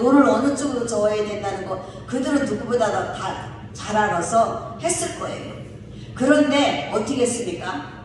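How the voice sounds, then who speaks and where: Woman pastor preaching in an echoey hall. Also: a little high. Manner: lively preaching, rhetorical questions to the congregation. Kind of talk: sermon. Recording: echoey hall, distant mic, faint hiss.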